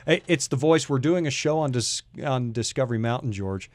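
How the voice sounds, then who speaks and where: A man's voice: medium pitch, expressive, brisk, a little mellow, no echo. Male radio host, mid-range voice, casual and bantering, close dry studio mic. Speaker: host of a radio talk show. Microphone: close studio microphone.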